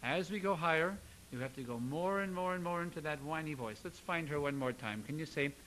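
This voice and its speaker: A man teaching a singing lesson, coaching with upbeat cues and quick demonstrations. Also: fairly high pitch, expressive, fairly bright tone, a little hiss or hum, low-quality recording.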